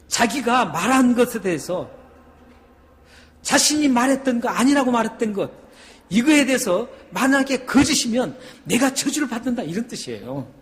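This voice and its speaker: A man preaching a sermon as a pastor, emphatic and rising to loud peaks, often putting questions to the congregation. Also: very high voice. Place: church sanctuary. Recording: long hall reverb.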